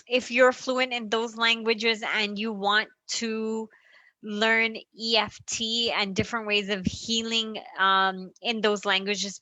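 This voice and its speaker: Bright-voiced woman hosting a webinar. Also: medium pitch, dry recording, low-quality recording. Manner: warm praise, many filler pauses. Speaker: host. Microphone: video call.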